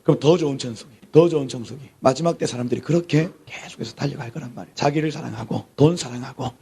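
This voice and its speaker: With a fast, creaky, husky mid-range voice and a warm tone, a middle-aged pastor teaches theology in the manner of a sermon. He stays emphatic throughout, repeating important words and lowering to near-whispers to stress them.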